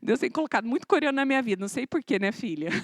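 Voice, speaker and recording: Animated Brazilian woman giving a testimony. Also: a little high, fast, no room sound. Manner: dramatic storytelling, acting out dialogue with swings in loudness. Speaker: guest speaker giving a testimony. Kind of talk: emotional church testimony. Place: church service.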